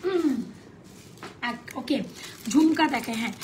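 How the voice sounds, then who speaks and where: A woman in her thirties with a Bangladeshi accent and a hoarse voice, hosting a chatty live stream selling jewellery and dropping English sales phrases. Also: high-pitched, takes it slowly, a little mellow, a little hiss or hum.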